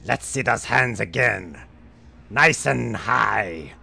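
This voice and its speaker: A man's voice: lowish voice, expressive, slow pace, creaky, sharp tone, slightly rough, heavily acted. A man voicing a bossy, menacing hobgoblin swordsman with curt commands. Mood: commanding.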